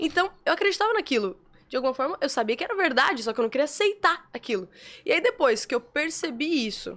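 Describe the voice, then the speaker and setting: The recording is very clean, with a silent background. A woman speaks in an animated tone with very wide pitch swings. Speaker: communication coach. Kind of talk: podcast conversation.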